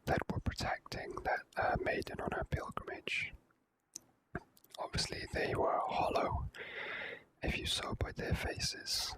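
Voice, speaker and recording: A person whispering relaxed, unhurried ASMR commentary while playing a video game. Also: poor audio.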